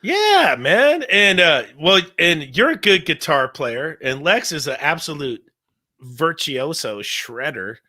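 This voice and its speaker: A man in his fifties chatting casually as podcast host, excitable and rambling, often laughing. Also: a little high, slow pace. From California. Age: 50s. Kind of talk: casual chat.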